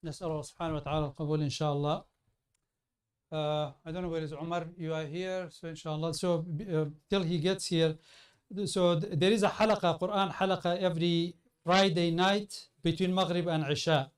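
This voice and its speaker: A man with a high, strikingly clear voice makes informal announcements at a mosque. He talks rapidly and mixes English with Arabic phrases. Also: little pitch movement. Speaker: mosque leader making announcements.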